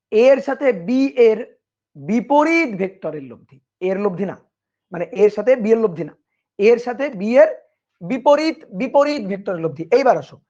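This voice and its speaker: A woman physics teacher delivers an online class lecture, repeating key phrases and asking questions to check understanding. Her voice is fairly high-pitched, and the audio sounds dull.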